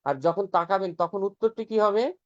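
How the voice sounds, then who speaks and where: A man's voice: sits high, moderate pace. A man giving an earnest devotional scripture talk, explaining step by step and chanting some passages aloud. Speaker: preacher. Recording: dull lo-fi recording.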